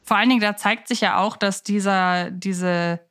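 A woman with a medium-pitched voice hosts a conversational interview. She speaks in long, wordy sentences and often reworks her phrasing as she goes. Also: steady tone, normal speed, a bit bright. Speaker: podcast host.

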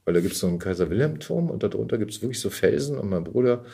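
A middle-aged man with a deep voice speaks as an interview guest. He tells his stories in a casual, conversational style. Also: animated, fast, vocal fry, mellow, husky. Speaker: podcast guest, actor and voice actor.

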